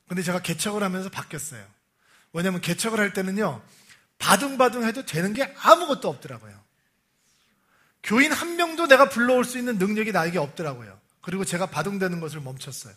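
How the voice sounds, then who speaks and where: A middle-aged male pastor preaching a sermon, who shouts quoted cries and drops to a soft, low voice for scripture.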